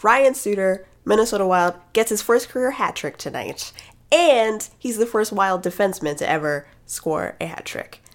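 A woman's voice: medium pitch, expressive, moderate pace. A woman co-hosting a casual hockey chat, wry and chatty, often laughing.

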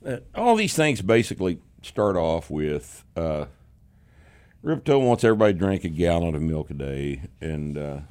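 A man with a slight Texas accent hosting a casual podcast, talking in a gruff, profane, sarcastic way. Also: sits low, big pitch swings, moderate pace, a little mellow. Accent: Texan. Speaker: podcast host, strength coach.

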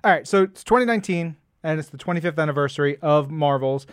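A man's voice: on the high side, fast, smooth, dry recording, studio quality. A man interviewing a guest casually as a podcast host.

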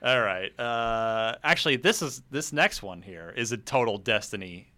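A man with a bright, forceful voice at an average pitch hosts a relaxed podcast discussion. His manner is wry and jokey, dropping asides while he steers the talk. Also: normal speed. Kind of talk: casual chat with joking asides.

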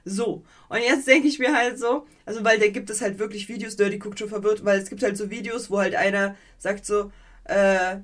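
A woman co-hosting a podcast in casual chat, animated and rambling, with many fillers and a playfully mocking edge. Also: medium pitch, brisk, hardly any pauses. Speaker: podcast co-host.

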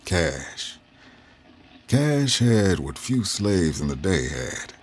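An actor playing an old freed man from the South who tells his life story slowly and reflectively. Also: low voice, very animated, exaggerated voice. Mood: reminiscing. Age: older. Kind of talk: audio drama narration.

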